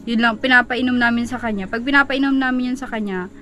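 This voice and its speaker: A 19-year-old woman answering interview questions politely, halting and searching for words. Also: fairly high pitch, fairly even intonation, pushed and bright, faint music behind. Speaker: interviewee, working daughter.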